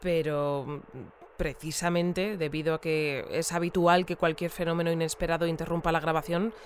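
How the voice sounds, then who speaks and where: A performer playing an inquisitive, courteous radio news presenter in an audio drama, asking measured questions. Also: medium pitch, flat delivery, a little hiss or hum, natural voice. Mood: probing. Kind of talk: audio fiction acted as a radio news interview.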